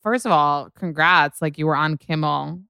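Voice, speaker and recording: Chatty host, rambling and enthusiastic, low smooth voice, dry studio sound. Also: female voice, normal speed, pushed and bright, no echo. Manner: gushing, chatty, lots of "like". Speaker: podcast host. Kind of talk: casual podcast chat.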